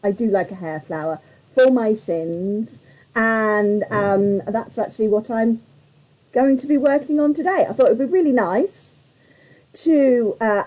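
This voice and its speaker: A woman with a mellow, warm tone and a slightly croaky edge hosts a live craft demonstration. She talks in a chatty, rambling way, with plenty of fillers, and keeps greeting her viewers by name. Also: mid-range voice, low-quality recording. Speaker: craft tutorial host on a live stream.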